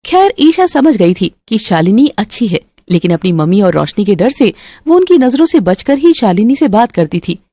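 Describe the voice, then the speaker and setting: In this Hindi family-drama storytelling, a female narrator performs the parts of several women, dramatically shifting from calm narration to quarrelsome exchanges. Her pitch is medium, her speed normal, and there's no room sound.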